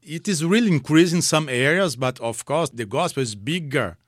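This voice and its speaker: A man's voice: on the high side, animated, no echo, clean studio sound. Earnest missionary man, English. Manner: earnest, simple second-language English with pauses. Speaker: missionary guest. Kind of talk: interview, personal testimony.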